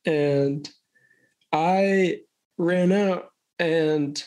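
A young man from Thailand, a podcast guest, talking in a slow, hesitant, thoughtful way with many restarts. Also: fairly high pitch, a little mellow. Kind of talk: casual interview chat.

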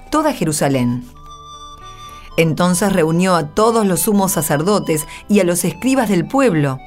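A woman narrating scripture in a scripted, solemn style, measured and reverent, phrase by phrase. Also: lowish voice. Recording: soft music behind the voice.

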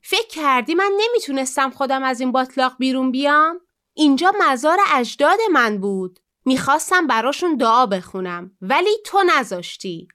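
A woman's voice: high-pitched, expressive, bright, forceful tone. A woman voicing a proud, ungrateful male donkey in a children's storybook, scolding and self-important.

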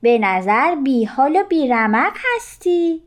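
A woman's voice: high voice, lively intonation. A woman voicing a small, friendly young fish, calling out eagerly in a raised, childlike tone. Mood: eager, worried. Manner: raised, urgent, childlike calls.

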